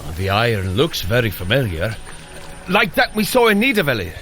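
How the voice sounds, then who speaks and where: An actor playing a hearty, earnest warrior god in an audio drama, speaking in a declamatory, wondering way. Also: male voice, mid-range voice, wildly swooping pitch, brisk, fairly bright tone, soft background music. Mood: puzzled, earnest.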